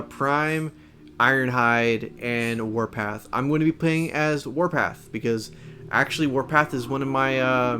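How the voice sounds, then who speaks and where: A man hosting casual game commentary, speaking haltingly and often repeating words. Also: mid-range voice. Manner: halting, repeats words, chuckles through remarks. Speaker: gameplay video host.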